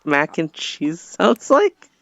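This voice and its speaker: A man's voice: on the high side, wildly swooping pitch, slow, creaky, fairly bright tone, lo-fi sound. A man streaming live, chatting casually with friends in a laid-back way and swearing freely. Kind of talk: casual chat.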